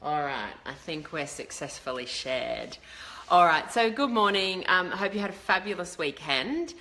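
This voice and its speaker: A leadership coach with a lowish, slightly crackly voice chats casually and ramblingly to a live online audience, greeting viewers mid-thought. She is very animated at a normal speed, her tone bright and forceful.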